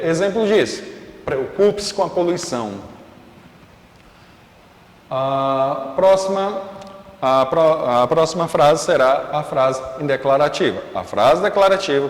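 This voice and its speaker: A man with a slightly high voice teaches a recorded online lesson, pausing on fillers and checking in with his class after each point. His voice rings through an echoey room with a long reverb tail. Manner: frequent "é" fillers and "ok?" check-ins.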